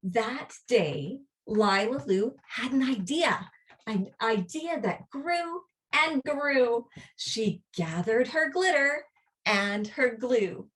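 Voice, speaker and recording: A woman reads a picture book aloud with a highly animated, lilting delivery. Her voice is on the high side, and she takes her time, stretching words out very slowly for young listeners. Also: distant mic, poor audio. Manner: animated, drawn-out, deliberate storytelling. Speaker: children's book reader.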